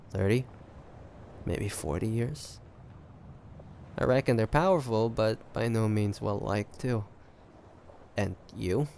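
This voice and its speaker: A man performs a shrewd, ambitious pirate captain in an intimate audio drama. His voice is low and gravelly, and he speaks slowly and deliberately, smug and conspiratorial as he taunts the listener. A faint ambient noise sits behind him. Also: darkish tone. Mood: smug probing. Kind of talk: roleplay audio drama monologue addressed to listener.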